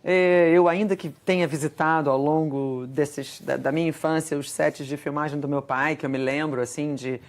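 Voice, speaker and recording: A middle-aged woman with a Rio de Janeiro accent, a guest in a TV studio interview, speaking in a reflective, measured way with frequent restarts. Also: low-pitched, steady tone. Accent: Brazilian Portuguese, Rio de Janeiro. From Brazil. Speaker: guest, screenwriter and editor. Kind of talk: interview conversation. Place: television studio.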